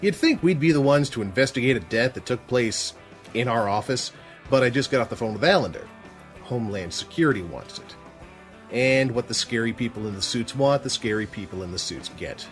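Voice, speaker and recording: An actor playing a cranky, harried police boss in an audio drama, grumbling with weary sarcasm. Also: male voice, medium pitch, expressive, a little fast, soft background music, lightly acted. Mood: weary, exasperated.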